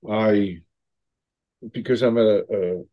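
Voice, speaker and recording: A man in his seventies hosting an interview, speaking reflectively and haltingly with many fillers. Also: on the low side, fairly even intonation, lo-fi sound. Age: 70s. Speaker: host. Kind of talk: interview conversation.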